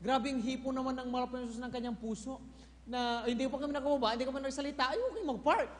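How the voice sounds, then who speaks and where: A man's voice: very high voice, flat delivery, fast talker. A man giving a church testimony to a congregation, telling his story and often addressing them as beloved. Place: church hall. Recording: echoey hall with faint noise.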